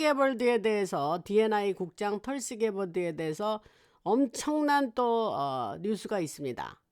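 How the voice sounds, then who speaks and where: In a very clean recording with a silent background, a woman speaks very slowly, her pitch swinging very widely. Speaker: YouTube commentator on US politics. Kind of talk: solo monologue. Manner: hesitant, many fillers.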